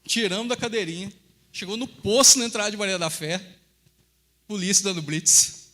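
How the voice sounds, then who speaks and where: A man's voice: high-pitched, normal speed, sharp tone. A middle-aged Brazilian man, a pastor, telling personal stories in a sermon and often addressing the congregation as brothers. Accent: Brazilian Portuguese.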